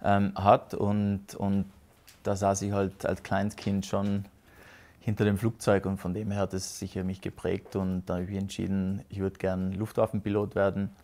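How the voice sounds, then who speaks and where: Gravelly, flat-voiced man. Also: sits low, normal speed. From South Tyrol, Italy. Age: 30s. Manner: hesitant, many restarts and fillers. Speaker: guest. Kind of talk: casual interview chat. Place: rustic hotel lounge with fireplace.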